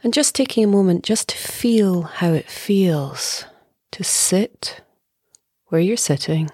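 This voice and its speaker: Slow, breathy woman guiding meditation. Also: lowish voice, dry recording, studio quality. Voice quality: soft, breathy. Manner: calm, gentle, unhurried with long pauses. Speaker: meditation teacher. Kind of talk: guided meditation.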